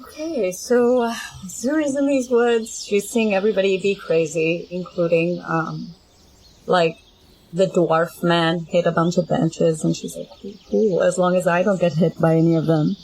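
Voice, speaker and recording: A woman's voice: lowish voice, fairly even intonation, unhurried, a little mellow, slight background noise, rough recording. A woman playing a tabletop game, casually improvising what her character does and peppering it with "like".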